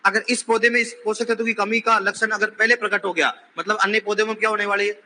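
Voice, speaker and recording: A man's voice: high voice, level tone, quick pace, slight background noise. A male teacher lecturing a classroom, quizzing and teasing his students and raising his voice to drill the answers. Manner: says he is shouting while teaching.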